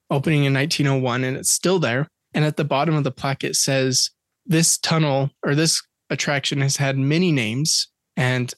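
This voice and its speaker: Chatty and joking, a man co-hosts a podcast and reads out facts and dates. His voice is medium in pitch, captured in a dry, studio-quality recording.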